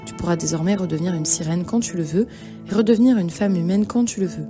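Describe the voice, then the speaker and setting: A woman's voice: lowish voice, quick pace, mellow, close to an everyday voice. A woman voicing a wise, grateful talking parrot in a cartoon fairy tale, explaining and reassuring. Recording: music behind the voice.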